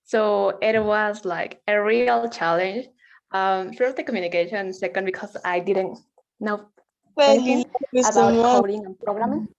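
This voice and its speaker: Gravelly Spanish-accented woman. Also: medium pitch, measured pace. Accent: Ecuadorian Spanish. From Ecuador. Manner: hesitant, uneven pace. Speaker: hackathon participant. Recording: dull call audio.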